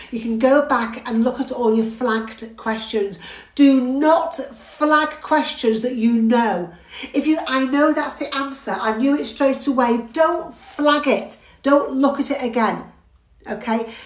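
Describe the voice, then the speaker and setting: A woman's voice: high voice, a little slow, roomy sound, low-quality recording. A British woman, a driving instructor, giving an upbeat live theory-test lesson and talking straight to her viewers. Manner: upbeat, talks straight to viewers, reads out comments. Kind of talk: live-streamed lesson, chatty and encouraging.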